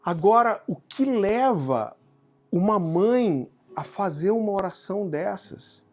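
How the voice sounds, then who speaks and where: Animated Brazilian preacher telling a story. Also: male voice, high voice, slow. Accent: Brazilian Portuguese. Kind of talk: sermon testimony. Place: home living room. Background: faint guitar music.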